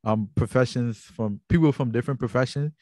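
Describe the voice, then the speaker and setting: A man's voice: mid-range voice, brisk, warm tone, dry recording, clean studio sound. A man from Guyana hosting an interview, talking earnestly and rambling a little with many fillers. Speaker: interview host. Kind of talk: casual interview.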